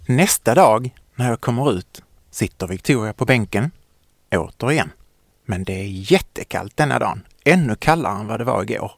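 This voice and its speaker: A man narrating a children's story in a gentle, lively way. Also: fairly low pitch, gravelly, no echo, clean studio sound.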